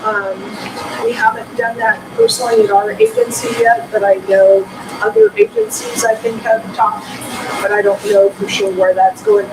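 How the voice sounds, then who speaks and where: A woman who works at a shelter agency, answering questions at a community meeting in a loud, animated way that often restarts mid-sentence. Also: on the high side, normal speed. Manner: animated, self-interrupting answers. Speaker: shelter program staff. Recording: distant mic with background noise.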